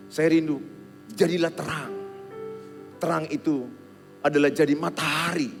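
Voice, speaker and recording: A middle-aged pastor preaching a Christmas sermon in an animated way, swinging between loud exhortation and quiet, humorous storytelling. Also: male voice, mid-range voice. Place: large church hall. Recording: long hall reverb with faint music.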